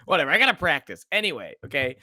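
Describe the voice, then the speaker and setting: A man's voice: fairly high pitch, racing, dry recording, clean studio sound. A young man co-hosting a podcast, telling crude, joking sports stories in casual chat. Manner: animated storyteller, crude and joking. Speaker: podcast co-host.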